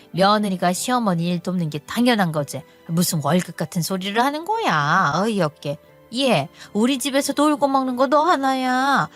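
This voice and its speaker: A woman's voice: mid-range voice, natural voice. A woman voicing a domineering older mother-in-law who nags and scolds. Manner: nagging, domineering.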